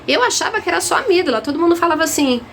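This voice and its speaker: A young mother talks straight to her followers in a casual vlog, high-pitched and earnest, her feeling showing as she tells the story. A faint hum of noise sits under her voice. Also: expressive, very fast, creaky, fairly bright tone. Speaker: mother and channel host. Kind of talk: casual vlog talk to viewers.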